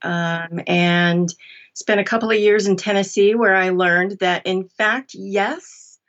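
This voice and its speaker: A woman's voice: mid-range voice, fairly even intonation, slow, fairly bright tone, highs cut off. An American woman from western Massachusetts, chatting casually and telling stories as a podcast guest. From Berkshires, western Massachusetts, US. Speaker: podcast guest, audiobook narrator. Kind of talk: casual conversational storytelling.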